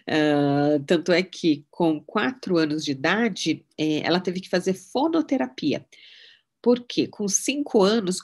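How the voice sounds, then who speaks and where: A middle-aged woman teaching in a loose, conversational way. Her voice sits fairly low, and she keeps tagging her sentences with little questions as she mixes personal stories into the lesson. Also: breathy edge. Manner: chatty, relaxed, often adds "né?" tags. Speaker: mind-mapping instructor. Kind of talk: casual teaching talk with personal anecdotes.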